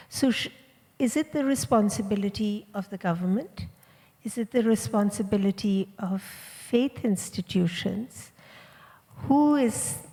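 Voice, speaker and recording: Woman audience member, slow and measured, long hall reverb; builds up a long question. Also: medium pitch, dark tone. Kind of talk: asking a question at a panel. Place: conference hall.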